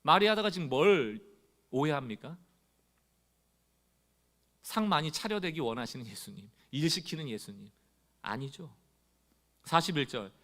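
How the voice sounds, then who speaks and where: A male pastor delivers a Sunday sermon in a fairly high voice that swings widely in pitch. He talks straight to the congregation and acts out people's complaints in a loud, rising tone.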